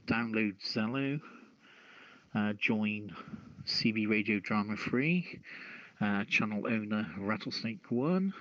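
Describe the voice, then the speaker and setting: A man hosting a casual live radio show with a halting delivery. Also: lowish voice, a bit bright. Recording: dull, echoey online radio channel audio.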